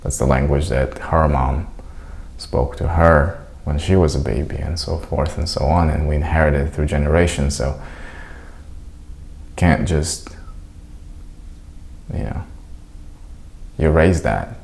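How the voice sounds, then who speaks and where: Man, from Crimea, deep voice, slow, searching for words. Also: fairly even intonation, vocal fry, a little mellow. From Crimea, Ukraine. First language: Russian. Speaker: vlogger. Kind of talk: reflective personal monologue.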